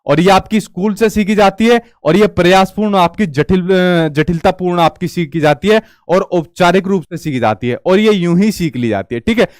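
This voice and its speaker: High-voiced Hindi-accented male teacher. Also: normal speed, hardly any pauses, no echo, studio quality. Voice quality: repeats "ठीक है" and restates points. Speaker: exam prep teacher. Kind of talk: online exam-prep lecture.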